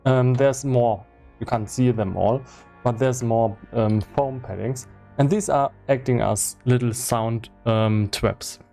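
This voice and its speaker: Halting man on a livestream, music behind. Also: mid-range voice, steady tone, vocal fry, mellow. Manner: halting, thinking aloud. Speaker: game developer streaming live. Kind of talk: casual explanatory livestream talk. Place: indoor room with foam acoustic padding.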